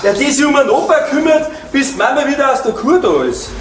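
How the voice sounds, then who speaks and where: A man's voice: very high voice, animated, fast. A man playing a flustered, scheming middle-aged father with a Bavarian accent in a folk theatre comedy, stammering and repeating his words. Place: theatre stage before an audience. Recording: distant echoey stage, loud audience and noise.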